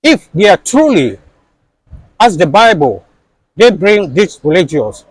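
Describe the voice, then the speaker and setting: A man's voice: high voice, very animated, a little slow, no echo, poor audio. A man being interviewed, speaking in an impassioned, insistent way and repeating his points for emphasis.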